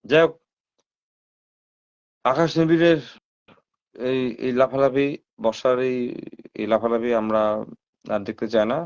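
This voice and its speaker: A man's voice: mid-range voice, unhurried, long pauses, darkish tone, lo-fi sound. A man hosting a live stream, talking straight to his viewers in casual commentary, asking them rhetorical questions and mixing English phrases into his talk.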